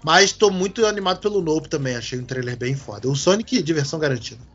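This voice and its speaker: A man hosting a casual podcast chat, animated, swearing casually and restarting his words. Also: on the high side, fast, husky, lo-fi sound, soft background music. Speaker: podcast host.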